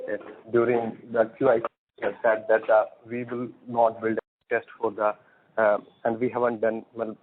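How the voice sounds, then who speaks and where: A man's voice: lowish voice, husky. A man with an Indian accent, calling in to put a polite question on a business call. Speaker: caller asking a question. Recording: tinny, band-limited phone line.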